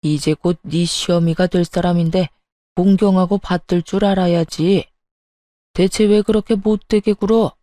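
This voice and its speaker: A woman's voice: lowish voice, steady tone, normal speed, dark tone, dry recording, studio quality, lightly acted. A woman voicing a domineering older father-in-law in a radio story, stern and scolding. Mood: stern angry.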